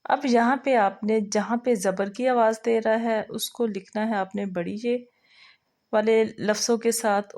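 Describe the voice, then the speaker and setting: A woman teacher who explains an Urdu lesson to other teachers and recites verses slowly. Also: mid-range voice. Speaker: teacher trainer.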